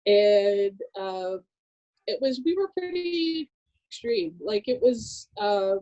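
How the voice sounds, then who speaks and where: A woman in her thirties from Southern California, a podcast guest telling her life story in a relaxed way, laughing easily and using many fillers. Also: mid-range voice, slow, highs cut off. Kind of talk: personal testimony in casual chat.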